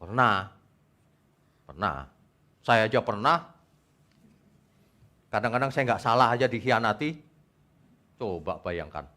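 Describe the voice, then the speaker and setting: A man's voice: on the low side, lively intonation, unhurried, long pauses, sharp tone. A male pastor preaching a sermon to his congregation in church, asking them questions. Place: church service before a congregation.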